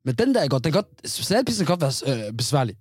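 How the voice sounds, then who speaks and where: A man's voice: mid-range voice, very animated, breathy edge, dry recording, clean studio sound. A man in casual podcast chat, telling stories with slang, frequent restarts and laughter. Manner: laughing storyteller, slang-laced, many restarts.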